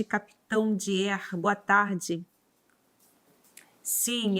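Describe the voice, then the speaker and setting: A woman's voice: mid-range voice, sharp tone. A Brazilian woman teaching a live online law class. She greets viewers by name and then explains steadily. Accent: Brazilian Portuguese.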